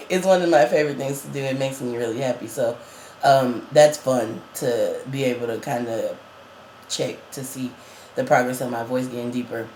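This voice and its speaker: A man's voice: mid-range voice, normal speed, a little mellow, echoey room, slight background noise, rough recording. Chatty trans man with a cracking voice. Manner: chatty, laughs often, many fillers. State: voice cracking, going up and down. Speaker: vlogger. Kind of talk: casual chat.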